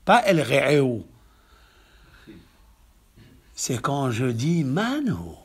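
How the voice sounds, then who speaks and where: French rabbi guy lecturing a congregation, kinda raspy, pitch jumps all over, keeps asking the crowd if they get it. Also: slow. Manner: lively teaching, swings from hushed asides to emphatic exclamations; asks the audience questions to check understanding. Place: synagogue hall.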